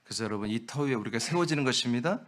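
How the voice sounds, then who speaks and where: A man's voice: medium pitch, lively intonation, very fast, slight background noise. A male pastor preaching with emphasis in a church, talking straight to his congregation.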